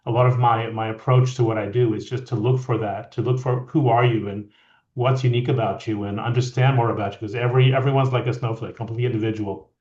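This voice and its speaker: A middle-aged man from France, a guest leadership coach, talking in a reflective, halting way with many restarts. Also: mid-range voice, steady tone, darkish tone. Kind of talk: conversational interview. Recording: echoey, dull lo-fi audio.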